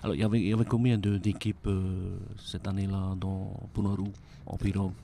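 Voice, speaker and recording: A man's voice: deep voice, level tone, brisk, gravelly, mellow, slight background noise. A man hosting a radio interview, speaking hesitantly with many "euh" between phrases. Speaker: radio host. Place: radio studio.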